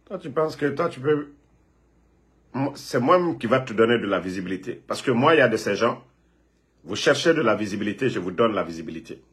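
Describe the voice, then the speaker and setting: A man's voice: mid-range voice, big pitch swings, fairly quick, fairly bright tone. A man from Guinea, ranting and scolding a rival on a live phone video, repeating himself. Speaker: political online commentator.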